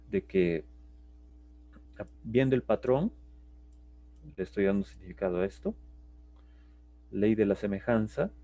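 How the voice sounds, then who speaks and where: A man's voice: lowish voice, warm tone, far from the mic. A man teaching psychology in a live online class, explaining step by step and checking in with tag questions.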